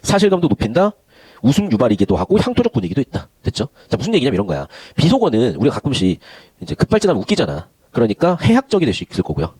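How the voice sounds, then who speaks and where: Guy tutor talking super fast, voice jumping all over, chatty lecture. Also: medium pitch, no room sound. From Gyeongsang region of Korea. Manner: fast, animated and chatty, switches between polite and casual speech. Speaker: Korean literature tutor. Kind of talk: online lecture.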